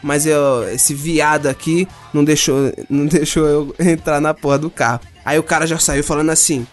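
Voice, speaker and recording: A man's voice: on the high side, steady tone, moderate pace, soft background music. A young Brazilian man, telling a story in a casual, swearing chat and acting out the other people in it. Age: young adult. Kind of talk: casual chat, animated anecdote with slang and swearing.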